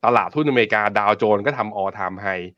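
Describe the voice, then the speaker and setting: A man's voice: lowish voice, moderate pace, a bit bright, no room sound. A man hosts a casual live finance talk show. He talks bluntly and jokes with his guest. His voice is close and dry, with slightly muffled, lo-fi sound. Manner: conversational, blunt and joking. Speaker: host.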